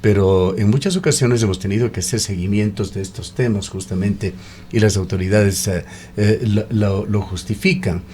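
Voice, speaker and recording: A man hosting a radio interview, measured and prompting guests with frequent backchannels. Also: on the low side, fairly even intonation, mellow. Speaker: radio host. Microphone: studio microphone.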